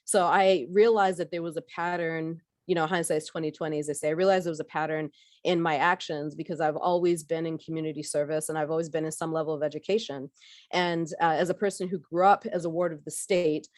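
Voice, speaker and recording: A woman's voice: low-pitched, fairly even intonation, fairly quick, no echo, studio quality. A middle-aged woman from Barbados giving a conversational workshop talk about her background, with frequent fillers and restarts. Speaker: workshop speaker.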